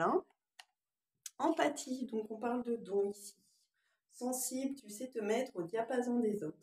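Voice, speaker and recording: A woman's voice: medium pitch, darkish tone, roomy sound. A woman with a lingering cough giving an informal spiritual card reading, moving between read-out passages and hesitant, musing asides. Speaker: oracle card reader.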